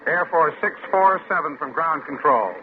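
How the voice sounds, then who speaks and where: An actor playing a brisk ground-control lieutenant in a 1950s radio drama. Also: male voice, on the high side, expressive, natural voice. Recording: tinny old radio broadcast, loud hiss.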